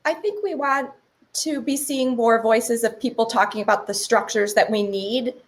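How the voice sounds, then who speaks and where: A woman's voice: on the high side, normal speed. A woman of forty-one, a guest and researcher, speaking thoughtfully in a casual podcast conversation, often saying "you know.". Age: 40s.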